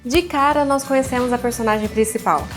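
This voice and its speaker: A woman with a fairly high voice and a Brazilian accent with a pulled R hosts a writing lesson. She speaks directly and informally to the viewer, with faint music behind her. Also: fairly quick. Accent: Brazilian Portuguese with a pulled R. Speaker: host of a writing advice series, author. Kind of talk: didactic video talk with read-aloud book excerpts.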